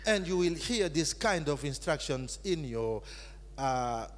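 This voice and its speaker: A man preaching with a high, lively voice. He speaks slowly and leans hard on each phrase, going from shouts to low tones. The sound rings in a large reverberant hall. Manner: emphatic, swings from shouting to low, slow phrases. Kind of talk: sermon in English with live interpretation. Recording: echoey hall.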